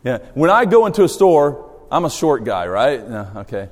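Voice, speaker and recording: A man from Australia speaks as a missionary in church, telling self-deprecating stories with a low voice. His pitch rises and falls in a lively way. The sound carries a long hall reverb. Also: moderate pace. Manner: storytelling, animated, self-deprecating humor. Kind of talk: church talk with anecdotes.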